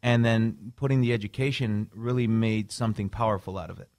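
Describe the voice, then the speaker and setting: A man's voice: on the low side, fairly even intonation, darkish tone. A man from Chicago, a mental health clinician, earnestly explaining his path as a radio guest. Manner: earnest, measured, some restarts. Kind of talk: radio interview answers.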